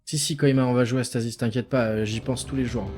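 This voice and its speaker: A man's voice: medium pitch, steady tone, fast, a little mellow. A man streaming a game live, chatting casually, reacting aloud and swearing freely as he plays. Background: game music.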